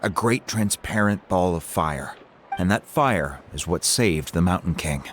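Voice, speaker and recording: An assured tribal chief in a fantasy video game. He has a deep male voice with lively inflection, measured and reassuring as he explains, with music behind him. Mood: pleased, thoughtful. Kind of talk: English video game character dialogue.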